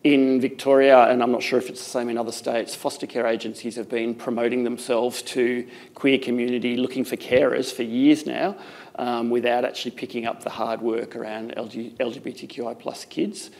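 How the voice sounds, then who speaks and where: A man in his fifties speaks on a conference panel with a gravelly, rough edge. His delivery stays flat and even as he restarts his sentences and works toward his point. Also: medium pitch. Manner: halting, frequent restarts. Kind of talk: panel discussion answers. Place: conference stage with plants.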